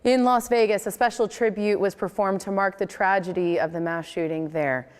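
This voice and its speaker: A woman's voice: on the low side, in a large hall. A woman with an American accent reading a scripted local television newscast as the anchor.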